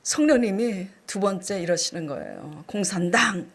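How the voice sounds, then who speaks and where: A middle-aged woman pastor preaching a sermon, telling her own story with animated storytelling and acting out her past outbursts. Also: medium pitch, moderate pace. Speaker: senior pastor.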